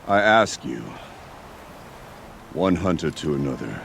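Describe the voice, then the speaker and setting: An actor playing a proud, stern tribal hunter chieftain in a video game, with a gravelly voice and a grave, commanding manner. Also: male voice, very deep voice, lively intonation, takes it slowly, a bit bright, a little hiss or hum, full character voice. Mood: grave, warning. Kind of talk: dramatic video game voice acting.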